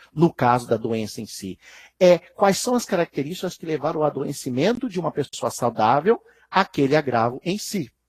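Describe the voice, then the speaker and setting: In a very clean recording with a silent background, a man with a fairly high pitch talks at a moderate pace, somewhat breathy, with very wide pitch swings and a dry, close sound with no echo. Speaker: health surveillance manager. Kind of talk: lecture. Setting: web conference.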